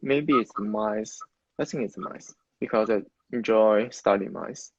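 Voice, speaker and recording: A young adult man from China, a native Mandarin speaker with a Mandarin Chinese accent, answers interview questions as a university student. His phrasing is halting and non-native, his voice lowish, and the recording lo-fi.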